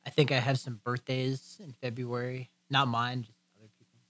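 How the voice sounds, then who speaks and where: A man's voice: mid-range voice, flat delivery, normal speed, fairly bright tone, no room sound. A man co-hosting a radio talk show, giving brief, dry replies. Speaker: radio co-host.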